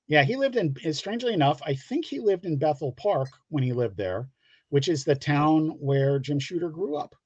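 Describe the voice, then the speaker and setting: A middle-aged man from the Pittsburgh area in the United States, chatting casually as a guest and telling rambling, halting anecdotes. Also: fairly high pitch, lively intonation, darkish tone, slightly rough. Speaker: guest comic book creator. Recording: dull lo-fi, roomy call audio.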